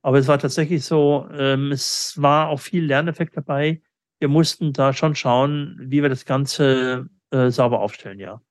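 A middle-aged man with a medium-pitched voice gives reflective interview answers about business. He speaks haltingly, with pauses mid-sentence. The sound is dry and close. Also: fairly even intonation, dry recording. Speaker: interviewee, company owner and sales agent.

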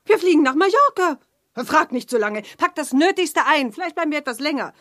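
A woman playing an impulsive, indignant witch mother in a children's audio drama, brisk and bossy. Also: sits high, animated, a bit bright, dry recording, studio quality. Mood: urgent, bossy.

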